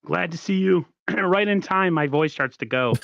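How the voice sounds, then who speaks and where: A man's voice: high voice, moderate pace, gravelly, fairly bright tone, no echo. A man co-hosting a casual sports podcast, with a froggy voice, chatting and reading out viewer comments. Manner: talkative, reads viewer comments aloud. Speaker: podcast co-host. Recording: slightly dull, dry audio.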